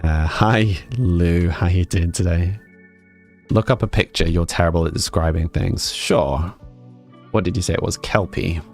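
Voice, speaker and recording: Answering chat out loud in a loose, wandering way, this young English streamer talks with an accent that mixes northern and southern features; he's from England and has family in Scotland. His voice sits low and his pace is measured, with soft music playing in the background.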